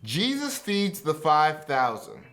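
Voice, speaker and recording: Youth pastor, male, chatty and slangy, very lively intonation, faint music bed. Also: a little high, slow pace. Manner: conversational, joking, slangy. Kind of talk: casual sermon to youth.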